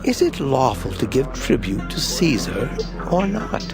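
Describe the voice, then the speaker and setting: A man playing a flattering, scheming Pharisee, speaking formally and deliberately in a dramatized scripture reading. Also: mid-range voice. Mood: ingratiating, probing. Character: Pharisee, flattering male questioner setting a trap. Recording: voice over prominent background music.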